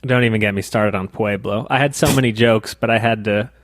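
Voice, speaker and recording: A man's voice: on the low side, brisk, no room sound. A man co-hosting a casual board game podcast, walking through rules step by step with some dry teasing. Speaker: podcast co-host.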